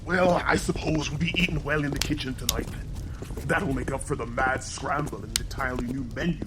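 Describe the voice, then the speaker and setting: A man's voice: mid-range voice, brisk, close to an everyday voice. A man playing an exasperated, complaining giant cook in an audio drama. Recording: clear background noise, clicks.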